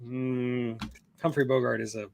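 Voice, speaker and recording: A man hosting a live film discussion, emphatic and quick to laugh. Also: mid-range voice, gravelly, noisy background. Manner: animated, emphatic, laughs easily. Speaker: podcast host. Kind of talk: casual live chat.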